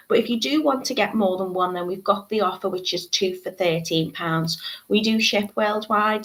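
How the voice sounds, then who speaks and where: A woman's voice: mid-range voice, fairly bright tone, low-quality recording. Chatty woman with a slightly congested voice. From United Kingdom. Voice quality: chatty, many ums and asides. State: congested, a little croaky. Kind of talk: live craft tutorial, chatty.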